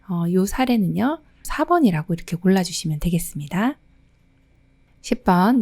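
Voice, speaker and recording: A woman's voice: mid-range voice, dark tone. A middle-aged woman, an exam prep instructor, reading test questions and options and then explaining the answers in a friendly, teacherly way.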